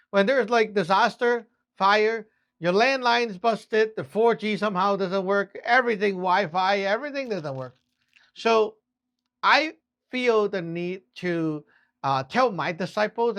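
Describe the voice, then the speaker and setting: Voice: medium pitch, fairly bright tone. A Taoist master from Hong Kong with a Hong Kong accent, explaining in a loose, chatty way and often tagging sentences with a question. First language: Cantonese. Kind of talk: casual explainer vlog.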